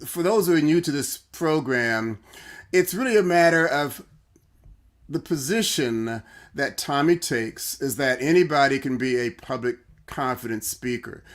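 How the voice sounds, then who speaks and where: A man's voice: medium pitch, fairly bright tone. A man hosting a casual livestream debate, rambling playfully and laughing often as he questions his guest over a video call. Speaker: host.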